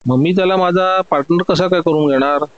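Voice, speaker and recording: Audio-story part: indignant older merchant, prickly and proud , voiced by a man, pitched up, dry lo-fi sound. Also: natural voice. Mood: astonished. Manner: protesting, quick to take offence.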